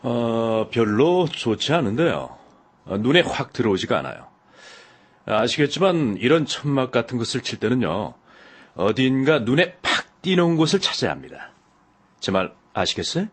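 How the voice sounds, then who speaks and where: A man voicing a friendly, tall male workman in an audiobook, talking in a relaxed way with hesitant fillers. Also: on the low side, moderate pace. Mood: easygoing. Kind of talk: audiobook dialogue.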